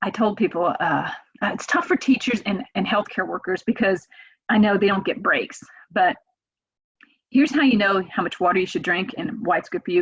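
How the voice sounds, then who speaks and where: Somewhat breathy and animated, a woman speaks at a medium pitch with lively intonation and long, frequent pauses. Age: 50s. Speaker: wellness coach. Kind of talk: webinar talk. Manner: fast.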